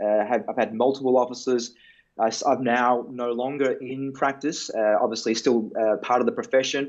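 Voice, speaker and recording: Using an Australian accent, a man speaks at medium pitch and a moderate pace with fairly even intonation. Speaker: chiropractor and coach. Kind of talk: live podcast interview. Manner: hesitant, many fillers and repeats.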